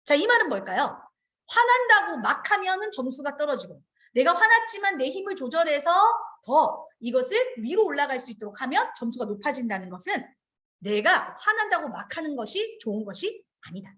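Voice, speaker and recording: A woman's voice: high-pitched, fairly quick. A middle-aged woman, a former kindergarten director, giving an online training lecture to teachers, acting out what children and teachers say. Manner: animated, acts out children's and teachers' lines. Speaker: early childhood education trainer.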